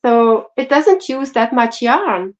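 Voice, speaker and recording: A woman with a French accent co-hosting a casual crochet livestream, soft-spoken and apologetic with many fillers. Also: on the high side, animated, slow. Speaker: co-host. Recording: dull lo-fi stream audio.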